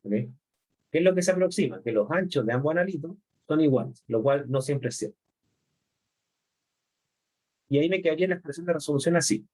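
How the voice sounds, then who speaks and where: In a remote class, a male chemistry lecturer explains things step by step and often checks in with his students. His voice is a little high and a little mellow, and he talks fast and expressively.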